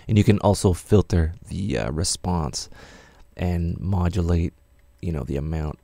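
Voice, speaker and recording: Male music production tutor, offhand and unpolished, very low register with plenty of vocal fry. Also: unhurried, warm tone. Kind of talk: casual software tutorial narration.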